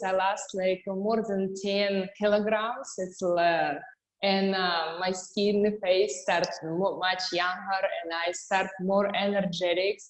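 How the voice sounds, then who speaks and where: A woman in her fifties from Ukraine with a strong Russian accent, answering interview questions in a halting, earnest way. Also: medium pitch, echoey room, rough recording. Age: 50s. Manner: halting, earnest, many fillers. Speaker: distributor guest.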